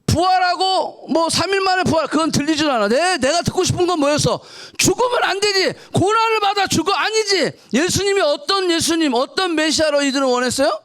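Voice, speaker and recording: A woman's voice: very high voice, expressive, brisk, few pauses. A woman pastor preaching a sermon in a church, speaking in a colloquial, dramatic way and mixing in English words. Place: church sanctuary.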